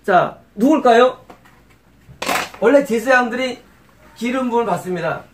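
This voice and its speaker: High-voiced Korean pastor preaching. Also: male voice, moderate pace, background noise. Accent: Korean-accented English words. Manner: rhetorical questions, repeats key phrases. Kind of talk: expository sermon.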